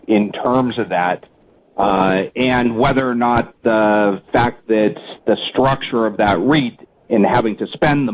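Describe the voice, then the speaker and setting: A man's voice: on the low side, dull audio. A man asking a question as a financial analyst on an earnings call, in winding, hesitant, broken phrases.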